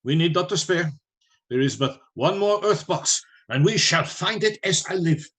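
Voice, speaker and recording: A solemn, commanding professor rallying vampire hunters in a radio drama. His voice is fairly high for a man, with a husky edge, and deliberate. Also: lively intonation, a bit bright, exaggerated voice. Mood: urgent resolve. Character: resolute male professor leading vampire hunters. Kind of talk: live radio play acting.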